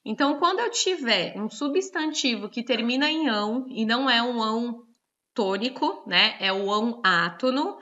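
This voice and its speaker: A woman's voice: a little high, bright, forceful tone, highs cut off. A woman teacher with a Brazilian Portuguese accent, explaining grammar rules in an online lesson and checking in with frequent tag questions.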